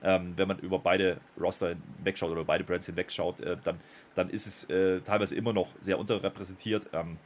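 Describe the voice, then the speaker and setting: A man reviewing a wrestling show in casual podcast chat, thoughtful, with many pauses and restarts. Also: sits low, flat delivery, a little hiss or hum.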